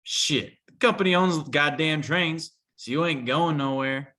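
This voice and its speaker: A man's voice: fairly high pitch, a little slow, sharp tone. A man playing a hostile, bitter, foul-mouthed coal miner in a screenplay table read, speaking bluntly and confrontationally. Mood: angry, bitter.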